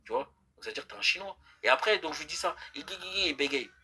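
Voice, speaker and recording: A man's voice: a little high, fast, husky. A man live-streaming, arguing heatedly with his chat in a casual way, with many restarts. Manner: animated, argumentative, many restarts.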